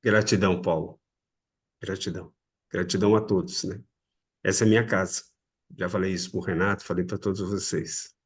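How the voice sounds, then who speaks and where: A man's voice: low-pitched, fairly even intonation, normal speed, long pauses, husky. A man briefly thanking everyone and handing over on a video call, sounding grateful. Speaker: previous guest.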